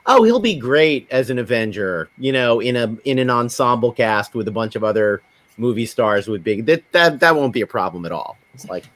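A man's voice: mid-range voice, lively intonation, normal speed, a bit bright, no echo. A man hosting a casual podcast, talking in a wry, digressive way. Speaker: podcast host.

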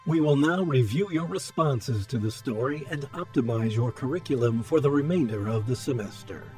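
An actor playing a cold, automated male instructor who speaks in a flat, formal, announcing way. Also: mid-range voice, normal speed, soft background music, lightly acted. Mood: clinical.

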